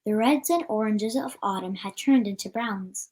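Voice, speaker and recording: A woman's voice: mid-range voice, moderate pace, a little mellow. A woman reading a children's story aloud as a storyteller, with an occasional stumble over the words.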